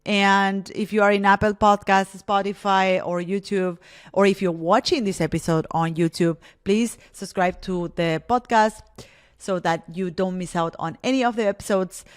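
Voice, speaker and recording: A woman's voice: medium pitch, steady tone, normal speed, smooth. A woman whose first language is Spanish, hosting a solo podcast in an earnest, encouraging way with frequent restarts. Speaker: podcast host.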